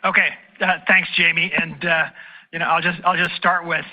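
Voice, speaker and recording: A man speaking as an airline chief executive, answering analysts on an earnings call in halting phrases. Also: fairly high pitch, flat delivery, slight background noise. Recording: dull conference call audio.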